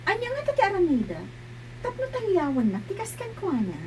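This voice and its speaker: A woman performing lively, emotional dialogue in an Ilocano audio drama. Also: very high-pitched, fairly quick, background noise.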